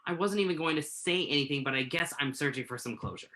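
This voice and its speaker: A woman's voice: low-pitched, fast, sharp tone. A woman acting the part of an emphatic, wounded male writer in a staged play reading. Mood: earnest, pleading. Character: male writer Tim, pen name Tuck, joking, wounded, insistent.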